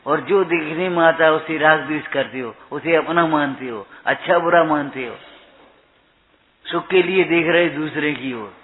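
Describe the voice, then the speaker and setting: A man giving a spiritual discourse, chanting verses slowly and then explaining them in a questioning, chiding way. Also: fairly high pitch. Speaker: preacher. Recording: tinny phone-like recording.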